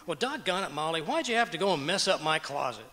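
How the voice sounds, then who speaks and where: A man's voice: fairly high pitch, sing-song, fast talker, pushed and bright. A man playing a stubborn, blustery, folksy husband in an old-time radio comedy. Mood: defensive. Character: blustery, stubborn husband who hoards junk. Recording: echoey auditorium stage.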